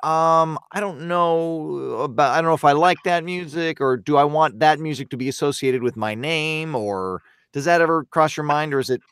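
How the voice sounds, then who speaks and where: A man's voice: on the high side, normal speed, few pauses, fairly bright tone, clear, resonant tone, no echo, studio quality. A man hosting a casual panel discussion, often repeating the starts of his phrases as he goes. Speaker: host.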